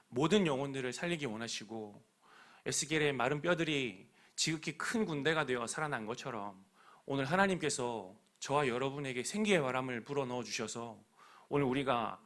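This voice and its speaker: Earnest preaching man, mid-pitched. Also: expressive, normal speed, a bit bright. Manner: earnest, fervent preaching with prayerful appeals. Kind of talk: sermon.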